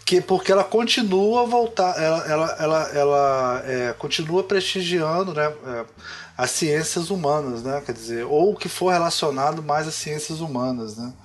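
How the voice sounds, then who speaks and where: A man's voice: a little high, animated, moderate pace, slight background noise. Casual, hesitant male podcast host. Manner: hesitant, full of fillers and restarts.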